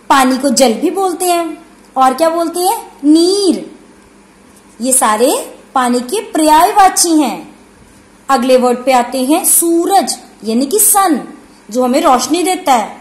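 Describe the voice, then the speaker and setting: A woman teaching young children, who explains slowly, asks questions and repeats and stresses key words. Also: high voice. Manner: calls the pupils 'beta' and asks questions before answering them. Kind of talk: online lesson for young children. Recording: echoey room.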